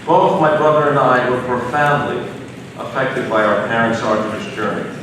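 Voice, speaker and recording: Middle-aged New man, measured and earnest speaker at a podium, far from the mic in a reverberant hall, audible background noise. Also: medium pitch, fairly even intonation. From United States. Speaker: physician giving a speech. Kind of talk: prepared speech. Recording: echoey hall from far off, noisy.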